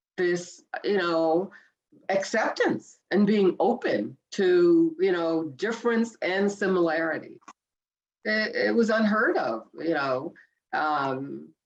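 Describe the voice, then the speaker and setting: A woman talks at a very slow pace with a medium pitch. Her intonation is lively. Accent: American. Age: 70s. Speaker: panel guest. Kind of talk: panel discussion.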